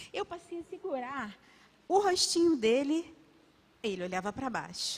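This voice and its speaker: A woman talks fairly slowly in a high voice whose pitch swings very widely. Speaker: audience member asking a question. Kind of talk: question from audience.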